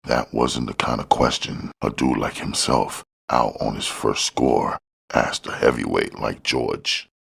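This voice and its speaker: A man's voice: a bass voice, measured pace, creaky, a bit bright, breathy edge. A man reading scripted crime fiction as an audiobook narrator. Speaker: audiobook reader.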